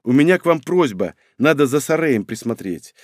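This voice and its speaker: A man reading aloud does a cocky young hero with a blunt, sardonic edge. The voice jumps up and down lively and sits close in a dry, dead room. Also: mid-range voice, normal speed, no room sound. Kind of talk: audiobook reading.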